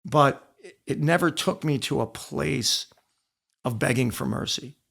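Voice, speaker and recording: A man's voice: mid-range voice, a little slow, creaky, fairly bright tone, slightly rough. A middle-aged American man telling personal stories in an interview, speaking earnestly and emphatically, repeating phrases for weight. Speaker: podcast guest, author and former wrestler. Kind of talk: reflective personal storytelling in an interview.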